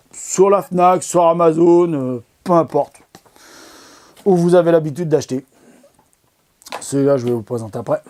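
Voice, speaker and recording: A man with a mellow, warm voice that sits a little high, talking casually to his viewers. He rambles with enthusiasm, stumbling over fillers and restarting his sentences as he recommends documentaries. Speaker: amateur astronomy video host. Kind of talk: casual product recommendation talk.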